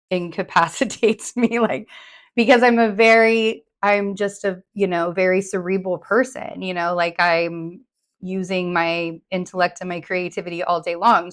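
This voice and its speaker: A woman with a hoarse, slightly raspy voice, giving viewers a casual, rambling update full of fillers and restarts. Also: fairly low pitch. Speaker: tarot reader and vlogger. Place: home in New York.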